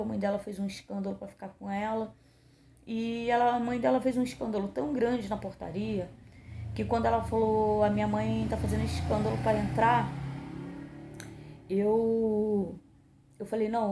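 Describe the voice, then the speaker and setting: A woman's voice: on the high side, steady tone, moderate pace, gravelly, dark tone, a little hiss or hum. A middle-aged woman pastor giving a personal testimony, telling the story with emotion and acting out the dialogue. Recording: roomy echo.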